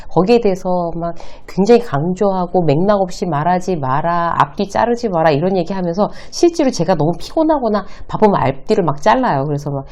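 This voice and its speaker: A woman's voice: fairly low pitch, lively intonation, fairly quick, hardly any pauses, mellow. A middle-aged woman lecturing on workplace communication, acting out short example dialogues in a raised voice. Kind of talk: talking-head lecture on speaking habits.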